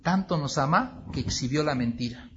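A man's voice: on the high side, lively intonation, normal speed. A man teaching a Bible class in sermon style, emphatic and acting out little dialogues with rising questions. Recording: dull lo-fi recording, faint noise.

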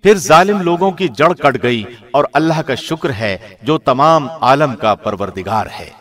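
A man reading a scripture translation from a script in a measured, formal radio-presenter manner. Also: medium pitch, expressive, fairly bright tone. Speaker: translation reader.

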